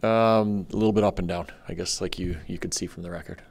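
A middle-aged man speaks into a table microphone in a press room, in a deep, gravelly voice. He answers in a measured, matter-of-fact way, with an even, flat delivery that rarely rises. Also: heavy background noise. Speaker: hockey head coach. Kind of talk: post-game press conference answers. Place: press room in front of a sponsor backdrop. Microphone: table microphone on a stand.

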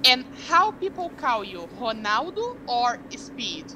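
A young Brazilian woman whose first language is Portuguese tutors a language over a video call on a headset, asking patient, curious questions. Her fairly high voice swings widely in pitch at a slow pace and sounds pushed and bright. The recording is rough, with a little hiss or hum.

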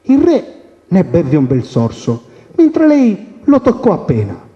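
A man from Calabria, telling folk tales on the radio in an animated, playful way. The recording is a dull radio recording with long reverb. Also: sits high, slow. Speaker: storyteller. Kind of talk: folk tale storytelling on radio.

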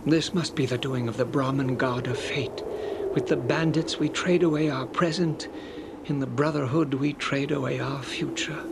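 An actor playing a grave, weary tribal village elder who speaks solemnly and formally in a video game. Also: male voice, mid-range voice, fairly even intonation, moderate pace, gravelly, close to an everyday voice. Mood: solemn, troubled. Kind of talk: video game dialogue acting. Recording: loud buzzing ambient noise.

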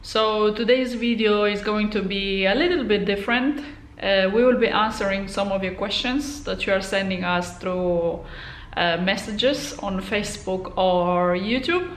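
A woman in her thirties from Poland, native Polish, hosting a casual vlog and talking close to the camera at home. She is friendly and chatty and fills her pauses freely. Her voice carries a roomy echo with faint ambient hiss behind it. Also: medium pitch. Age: 30s. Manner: friendly, chatty, many fillers. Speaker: channel host. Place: room at home.

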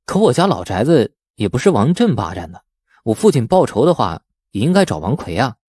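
Animated, anxious doubting man, read by a narrator. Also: mid-range voice, brisk, breathy edge, dry recording, clean studio sound. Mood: doubtful. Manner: questioning, protesting. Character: anxious, doubting man questioning his elders.

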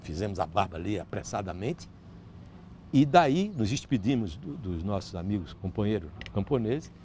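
An older man with a Northeastern Brazilian accent recounts a memory in an interview, gesturing as he talks and often restarting his sentences. His voice is mellow and warm, picked up on a lapel mic outdoors, with a faint background hum. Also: on the low side, normal speed. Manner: animated storytelling with many restarts and gestures. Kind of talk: recounting a personal story. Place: outdoor terrace by a park.

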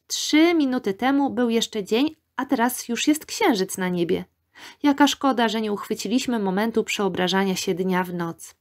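A woman's voice: medium pitch, close to an everyday voice. A woman reading the part of an eager, cheerful young man student in an audiobook, in close to her own voice.

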